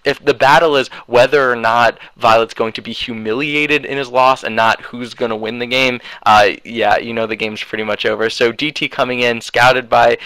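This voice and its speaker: A man's voice: medium pitch, sharp tone, dry recording, poor audio. A young man giving casual, rambling game commentary with lots of fillers and hedges, on a headset mic. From United States. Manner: rambling, hedging, many fillers. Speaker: esports commentator.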